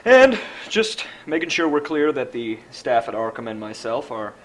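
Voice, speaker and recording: A man's voice: mid-range voice, sing-song, moderate pace, a little hiss or hum, natural voice. An actor playing a nervous male hospital official, hesitant and placating. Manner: hesitant, full of uhs. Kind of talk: video game cutscene acting.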